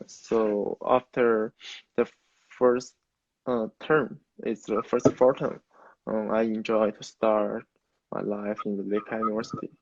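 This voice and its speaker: Halting young Chinese man, muffled audio. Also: on the low side, level tone, gravelly, no room sound. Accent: Mandarin Chinese. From China. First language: Mandarin. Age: young adult. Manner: halting, non-native phrasing. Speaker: university student interviewee. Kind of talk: informal interview answers.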